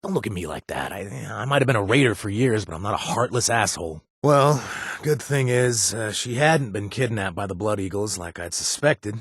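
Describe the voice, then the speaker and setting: An actor voicing a gentle, awkward ex-raider companion in a video game, talking haltingly with many fillers and restarts. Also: male voice, fairly low pitch, lively intonation, breathy edge, no echo, studio quality, full character voice. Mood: resigned. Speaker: companion character.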